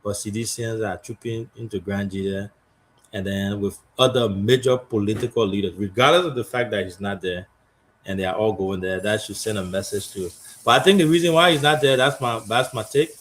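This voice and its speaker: A man's voice: fairly low pitch, a little fast, fairly bright tone, slight background noise. A man hosting a political talk show, speaking in a loose, conversational way and thinking aloud as he goes.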